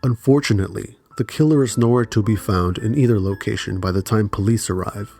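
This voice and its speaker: True crime narrator, male, lowish voice, measured and serious scripted delivery, music underneath. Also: creaky, darkish tone.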